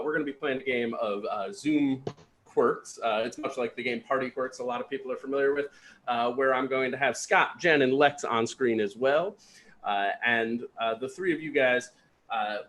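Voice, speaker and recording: A man hosting an improv show, casually and haltingly explaining a game to players. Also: mid-range voice, fairly bright tone. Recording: noisy video call audio.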